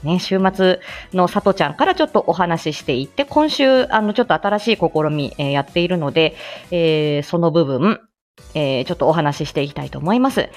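Brief: woman host, fairly low voice, casual and chatty with hesitant fillers. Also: expressive, brisk, soft background music. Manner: chatty, with frequent laughs and many fillers. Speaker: speech-language therapist and live stream host. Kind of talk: casual live-stream chat.

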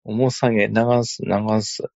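A man's voice: fairly low pitch, little pitch movement, a little fast, vocal fry, a little mellow, muffled recording, a little hiss or hum. A man from Iwate, Japan chatting as a podcast guest, hesitant and laughing often. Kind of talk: casual chat.

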